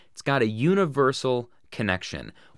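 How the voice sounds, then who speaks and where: A man's voice at a moderate pace with very wide pitch swings, dry with no echo, against a quiet background. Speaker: tech reviewer. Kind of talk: product review commentary. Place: studio.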